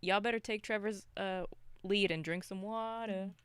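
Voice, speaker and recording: A woman's voice: medium pitch, steady tone, moderate pace, a bit bright, clear, resonant tone. A woman co-hosting a podcast, chatting casually about movies in a wry, informal, rambling way. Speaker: podcast co-host.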